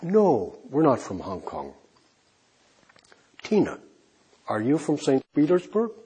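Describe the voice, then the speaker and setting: Man, English teacher, slow careful delivery, lively pitch, mellow husky voice. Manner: modelling example answers clearly, trailing off softly. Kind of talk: slow, deliberate classroom instruction.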